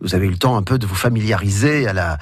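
A man's voice: fairly low pitch, quick pace, husky, dry recording, clean studio sound. A man hosting a live radio talk show, jovial and teasing, often stumbling over fillers and restarts. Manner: hesitant, frequent fillers and restarts. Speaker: radio host. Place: radio studio.

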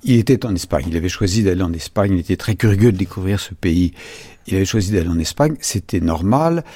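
A man's voice: deep voice, lively intonation, fast talker, mellow, slightly rough. A man, a writer, arguing firmly in a radio debate. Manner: assertive, argumentative, reads a quoted passage. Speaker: writer guest.

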